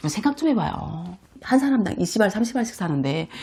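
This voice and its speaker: A woman speaks at a fairly slow pace, her pitch swinging very widely. Her voice is somewhat breathy. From North Korea (Pyongyang). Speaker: YouTuber, North Korean defector. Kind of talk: casual chat.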